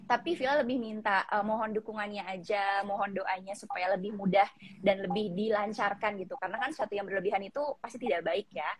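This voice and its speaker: A woman's voice: medium pitch, fairly quick, slight background noise. A woman of twenty, a pageant finalist, answering interview questions politely and referring to herself by name over a video call. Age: 20s.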